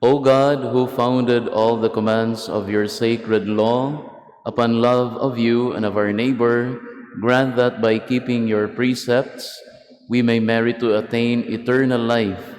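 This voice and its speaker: Male Catholic priest, mid-pitched, formal liturgical delivery, strong cathedral echo. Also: flat delivery, takes it slowly, a little mellow. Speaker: Catholic priest presiding at Mass. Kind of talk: liturgical prayer recitation. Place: large church, cathedral-like echo. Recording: echoing cathedral-like hall, long reverb.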